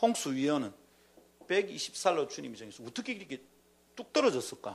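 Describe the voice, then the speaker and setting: A man is speaking. His pitch swings very widely. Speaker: pastor. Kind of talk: sermon. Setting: church. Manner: fast when excited; animated.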